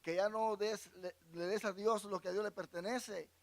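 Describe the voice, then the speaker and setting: Here the pastor sounds high-pitched and steady, talking at a normal speed. He reads Bible verses to the class, explains their meaning, and questions the congregation so they can supply the missing words.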